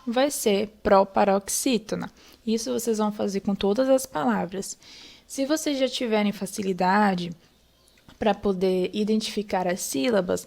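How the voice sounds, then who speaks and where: A woman's voice: a little high, a little mellow. A young woman teaching an online lesson, explaining patiently step by step and checking in often with her students.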